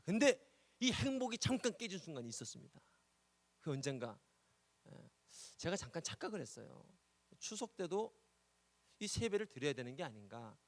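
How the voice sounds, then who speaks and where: A male pastor preaching a sermon, telling a story and repeating key words for emphasis, often checking in with the congregation. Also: mid-range voice. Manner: prompts the congregation with "예?".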